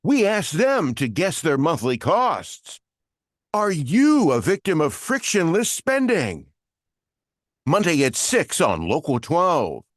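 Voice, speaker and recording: A man's voice: fairly high pitch, huge pitch swings, takes it slowly, dry recording, clean studio sound, voice pushed up, full character voice. A man voicing an upbeat TV promo announcer. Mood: punchy. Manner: punchy, bright promo read with stressed words.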